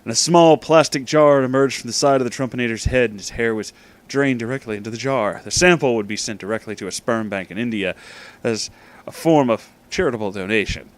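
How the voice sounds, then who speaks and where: A man reads a comic story aloud in a dramatic storytelling manner, with deliberate pauses and amused asides. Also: medium pitch.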